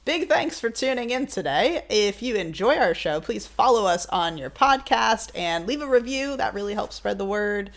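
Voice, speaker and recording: A trans man co-hosting a casual podcast, upbeat and laughing often, with a high voice that is starting to drop. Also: lively intonation, moderate pace, gravelly, hardly any pauses, a bit bright. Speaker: podcast co-host. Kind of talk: casual chat.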